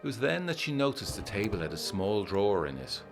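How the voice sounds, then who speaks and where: Man, very low voice, formal letter-style narration, faint music behind. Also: very animated. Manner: measured, formal period storytelling.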